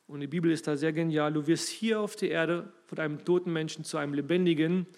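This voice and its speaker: A man preaching a sermon, emphatic and rising and falling in loudness, speaking straight to his listeners. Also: on the high side, fairly even intonation, fast.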